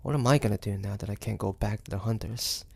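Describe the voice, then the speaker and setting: A man playing a wary, stubborn young demon hunter in an intimate audio roleplay, speaking in a hesitant, grudging, halting way. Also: lowish voice, creaky, breathy edge, dry recording. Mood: brooding. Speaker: voice actor. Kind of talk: intimate audio roleplay acting, addressing the listener.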